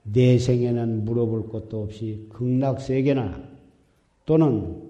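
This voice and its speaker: Speaking low and warm, a man preaches a Buddhist sermon as a dharma teacher, urging, scolding, and repeating his points. The recording comes from a temple hall with a long, echoey reverb.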